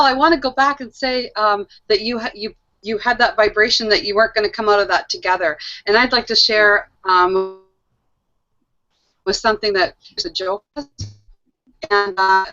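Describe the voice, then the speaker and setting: A middle-aged woman hosting a casual panel discussion, animated and laughing often, repeating phrases for emphasis. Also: mid-range voice. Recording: muffled lo-fi audio.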